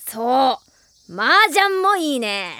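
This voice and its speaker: A woman's voice: sits high, big pitch swings, slow, pushed and bright, no echo, full character voice. A woman playing a brash, bossy, tomboyish schoolgirl club leader with a mock-pompous manner in an anime audio drama. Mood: pompous, cheerful.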